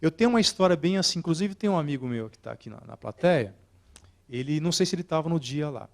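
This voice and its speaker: A man with a Brazilian Portuguese accent, an oratory teacher lecturing a live audience in an expressive, theatrical way that swings between soft and loud. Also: fairly high pitch, quick pace, gravelly. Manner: expressive and theatrical, shifting loudness and acting out scenes.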